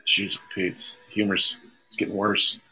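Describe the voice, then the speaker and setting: A man's voice: fairly low pitch, little pitch movement, a little slow, loud music behind the voice, low-quality recording. A man chatting casually as co-host of a comedy podcast.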